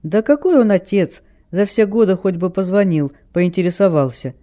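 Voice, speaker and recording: A man doing a hard, dismissive mother, curt and unrepentant, in a raised voice with a dark tone. A character in a read-aloud story. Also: sits high, normal speed, lightly acted. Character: blunt, hard-hearted single mother.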